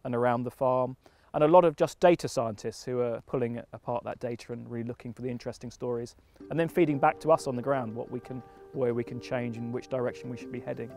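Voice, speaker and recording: Relaxed man talking outdoors on a farm. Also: mid-range voice, fast talker, gravelly. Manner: relaxed, conversational, with restarts. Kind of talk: on-camera interview. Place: outdoors leaning on a farm fence. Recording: faint music underneath.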